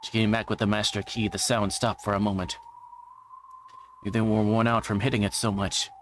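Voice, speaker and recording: Low-voiced man narrating a visual novel. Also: level tone, moderate pace, slight background noise. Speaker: livestreamer reading a visual novel aloud. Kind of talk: dramatic read-aloud narration of a game script.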